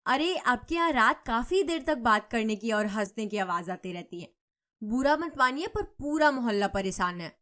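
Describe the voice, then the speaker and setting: A woman voicing a quarrelsome, scheming middle-aged female neighbor who talks loudly and accusingly in a cartoon story. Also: lively intonation, moderate pace. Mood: needling. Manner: loud, accusing and shrill.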